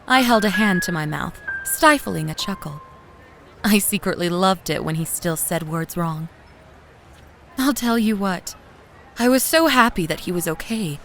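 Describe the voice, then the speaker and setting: Young mom narrator: medium pitch, fond yet anxious, conversational, expressive audio drama storytelling. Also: female voice, moderate pace, a little hiss or hum. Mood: fond, relieved. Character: loving, anxious young mother narrating her memories. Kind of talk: first-person scripted audio drama narration. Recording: faint music behind narration.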